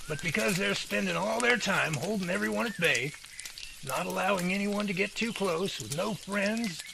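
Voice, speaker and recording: A man acts out a calm, folksy Bigfoot researcher in an amateur drama. His voice is creaky and sits a little high. He speaks in measured, homespun speeches over clearly audible noise. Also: full character voice. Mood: earnest, philosophical.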